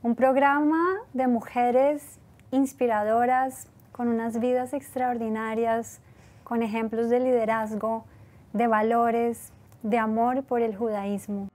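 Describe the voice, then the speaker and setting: A woman's voice: on the high side, level tone, slow pace, a little mellow. A woman hosting an interview show, greeting her guest with effusive, courteous welcomes. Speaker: host. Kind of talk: formal interview.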